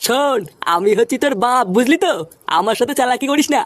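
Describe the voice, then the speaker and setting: একজন মহিলার করা রাগী বয়স্ক কার্টুন লোক, উঁচু দ্রুত গলা. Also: female voice, sits high, quick pace, a little hiss or hum, lightly acted. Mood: scolding. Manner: gruff, scolding, swears.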